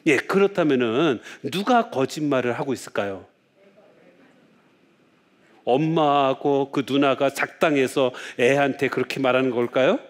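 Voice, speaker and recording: A man's voice: medium pitch, unhurried. A man, a Catholic priest, giving a lecture, telling stories and asking rhetorical questions with frequent "yes" fillers.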